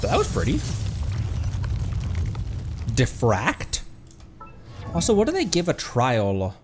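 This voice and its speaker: A man's voice: mid-range voice, wildly swooping pitch, slow pace. A man doing casual gameplay commentary as a streamer, chatty and thinking aloud. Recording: game music behind voice. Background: video game music.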